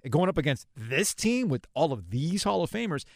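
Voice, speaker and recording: A man hosting a casual sports interview, with a lively pitch that moves around a lot. He tells stories and argues his take in an animated way. The sound is close and dry. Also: moderate pace, creaky, no room sound. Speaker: podcast host interviewing a guest.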